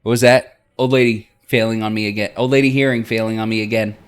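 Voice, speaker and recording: A man voicing a wry, teasing but soft-hearted young woman in visual novel dialogue, talking casually. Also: fairly low pitch, steady tone, fast, smooth, voice pushed up, lightly acted.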